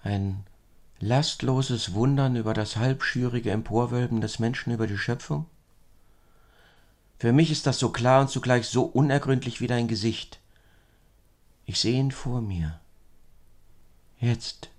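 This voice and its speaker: A man playing a pensive, quietly contemplative lover in an intimate radio drama. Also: mid-range voice, measured pace, long pauses, lightly acted. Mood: dreamy, gloomy. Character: pensive lover dreaming of ruin.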